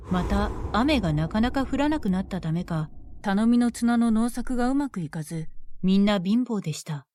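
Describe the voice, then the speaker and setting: A woman telling a folk tale as a bedtime story in a gentle, measured way. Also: medium pitch, slight background noise.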